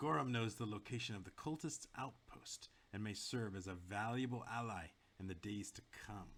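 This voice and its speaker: In a gruff, put-on character voice, a man with a fairly low pitch speaks at a moderate pace. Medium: actual play. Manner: gruff, archaic speech.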